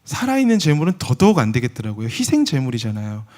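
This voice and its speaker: A man preaching a sermon as a missionary in a large church sanctuary, telling a personal testimony in an animated way and acting out his prayers and conversations. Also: medium pitch, fast talker.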